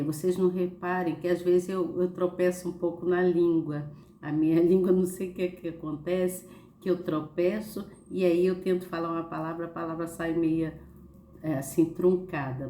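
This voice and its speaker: A woman's voice: on the low side, warm tone. A Brazilian woman with a slight cold, teaching a Bible study informally at home, often checking in with her listeners with short tags. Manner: conversational, frequent check-in tags. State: slight cold with occasional cough. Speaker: host of a Bible study channel. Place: living room at home. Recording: roomy echo, faint background noise.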